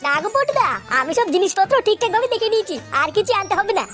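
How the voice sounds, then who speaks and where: Squeaky, brash cartoon village lad. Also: female voice, very animated, fast, fairly bright tone, soft background music, exaggerated voice. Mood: matter-of-fact. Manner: brash, slangy, swearing. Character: cheeky, foul-mouthed, boastful young village lad. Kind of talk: comedy cartoon dialogue.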